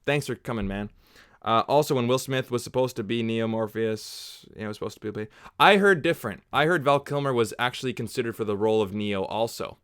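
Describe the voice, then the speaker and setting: A man's voice: medium pitch, fairly quick, a bit bright, clean tone, no room sound, clean studio sound. A man from Canada hosting a casual movie watch-along livestream, chatting and rambling off on tangents while answering viewers.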